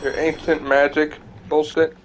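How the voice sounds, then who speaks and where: Pria muda santai yang sering memaki. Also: male voice, on the high side, little pitch movement, unhurried, music in the background. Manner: swears a lot, laughs, rambling. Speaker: streamer playing a game. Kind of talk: casual gaming chat.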